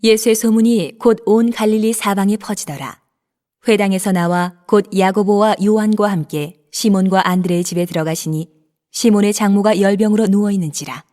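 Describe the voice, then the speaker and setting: A woman's voice: medium pitch, normal speed, mellow. Woman narrating scripture in reverb. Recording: long reverb.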